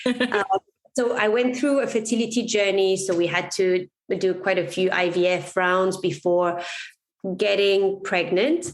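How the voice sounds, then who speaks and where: A woman with a French accent speaks at medium pitch with ordinary pitch variation. Her loudness stays very even at a fairly slow pace. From France. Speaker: executive coach. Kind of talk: podcast interview.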